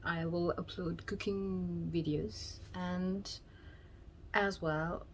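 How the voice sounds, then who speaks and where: A woman vlogging casually to camera, speaking in a hesitant, halting way. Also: on the low side, fairly even intonation, slight background noise, poor audio. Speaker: vlogger introducing a new channel.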